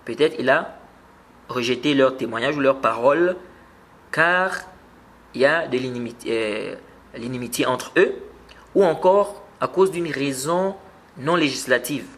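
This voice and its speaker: A man's voice: medium pitch, a little slow, pauses often, fairly bright tone. A man giving a religious lesson, explaining patiently, repeating words and rising when he stresses a point. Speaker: Islamic teacher.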